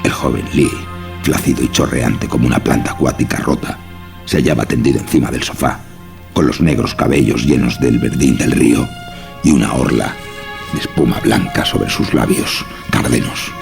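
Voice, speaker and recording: A man's voice: extremely low pitch, moderate pace, darkish tone. A man narrating a scripted horror story. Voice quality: gravelly. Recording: music behind the voice.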